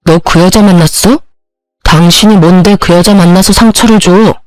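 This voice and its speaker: A man's voice: high-pitched, steady tone, normal speed, no echo, close to an everyday voice, rough recording. A woman voicing a cheating husband who bluntly accuses his wife. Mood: accusing.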